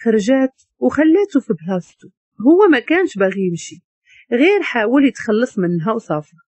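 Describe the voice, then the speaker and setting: A woman with a Moroccan accent narrates a story in a lively voice that rises and falls. Her tone is mellow and husky, a little high-pitched. The recording is dry and slightly dull. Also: a little fast, dry recording.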